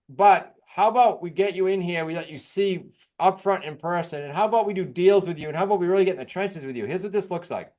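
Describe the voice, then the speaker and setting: A man from New England with an American accent, presenting case studies as an informal, fast-talking real estate coach. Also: a little high, a little mellow. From New England, United States. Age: middle-aged or older.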